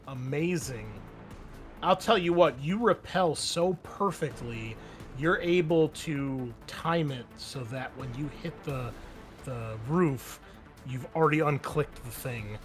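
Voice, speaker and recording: A man's voice: fairly high pitch, slow. Casting: male game master, conversational and encouraging, improvising tabletop narration over light background music. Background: music under the voice.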